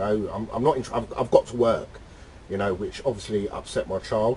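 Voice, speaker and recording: Somewhat breathy speech comes from a man. He talks at a moderate speed. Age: 30s. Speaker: visual effects artist and YouTuber. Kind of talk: personal vlog monologue. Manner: halting, many fillers.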